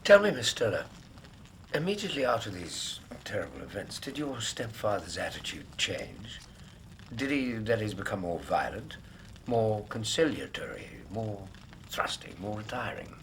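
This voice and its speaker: A man's voice: fairly low pitch, sing-song, moderate pace, fairly bright tone, slight background noise, rough recording. An actor playing a courteous male companion who puts polite questions to a client. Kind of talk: radio drama acting.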